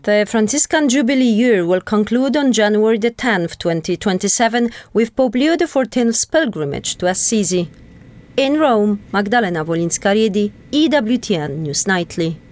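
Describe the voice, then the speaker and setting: Woman reporter doing a scripted news package voiceover, normal pitch. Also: expressive, normal speed, darkish tone, no room sound. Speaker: news correspondent.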